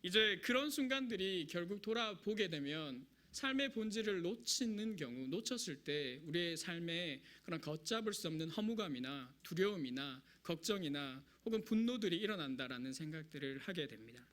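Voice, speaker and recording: A man's voice: a little high, animated, normal speed, few pauses, fairly bright tone. A young man preaching a sermon in a conversational, self-deprecating way, speaking with a regional Korean dialect. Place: church sanctuary.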